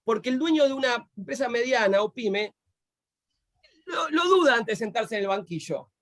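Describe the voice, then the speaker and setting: A man's voice: very high voice, lively intonation, normal speed, fairly bright tone, dry recording. A man hosting a live interview, courteous and chatty, listing guests and sharing his own view. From Argentina. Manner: courteous, chatty, reads off names. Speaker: interview host.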